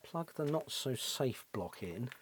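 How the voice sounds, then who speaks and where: A middle-aged British electronics technician who hosts a repair channel gives slow, casual commentary on hands-on work, thinking aloud and tacking questions onto his remarks. His medium-pitched voice is sing-song, heard over a noisy background in a small, cluttered indoor workshop.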